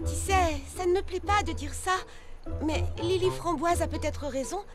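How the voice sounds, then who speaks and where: A woman's voice: extremely high pitch, moderate pace, over music. A woman voicing a suspicious, easily affronted young cartoon girl in a children's animation dub. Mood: hesitant, suspicious.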